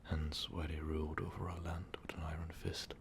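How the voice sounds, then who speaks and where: A man playing an ancient, brooding vampire overlord in an intimate ASMR roleplay, speaking in a weary, halting, breathy whisper. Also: little pitch movement, noisy background. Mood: somber, reminiscing. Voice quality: breathy, gravelly low whisper. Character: ancient, brooding male vampire overlord, tormented former rebel.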